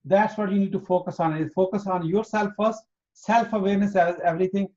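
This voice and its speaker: A man from Pakistan hosting an interview, speaking earnestly and emphatically and spelling out his points slowly. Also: sits high, fairly even intonation, darkish tone. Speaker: interview host. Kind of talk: motivational interview. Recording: dull lo-fi audio.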